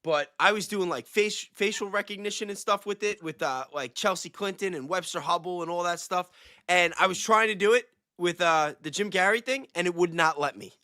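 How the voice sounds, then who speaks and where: Bright, high-voiced man chatting casually. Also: brisk, dry recording, clean studio sound. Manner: slangy, emphatic, repeats points. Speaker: livestream panelist. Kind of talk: casual chat.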